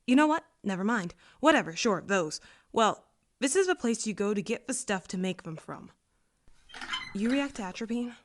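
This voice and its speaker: A woman's voice: mid-range voice, lively intonation, normal speed, close to an everyday voice. A woman playing a disgruntled, sardonic space courier who talks in a dry, blunt way. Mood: exasperated, blunt.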